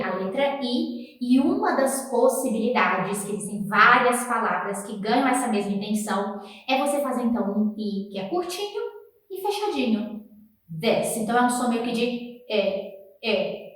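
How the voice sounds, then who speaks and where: A woman teaching English pronunciation, explaining and then slowly repeating words for the viewer to copy. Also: fairly high pitch. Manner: encouraging, talks straight to the viewer. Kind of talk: pronunciation lesson with drills. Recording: echoey room, voice from a distance.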